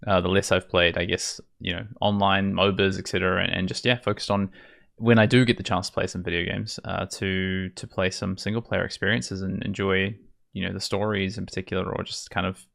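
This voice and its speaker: A man's voice: sits low, little pitch movement, brisk, creaky, fairly bright tone. A man in his thirties hosting a casual interview over a video call, feeling his way through his questions. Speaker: podcast host, interviewer. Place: home bedroom, indoors.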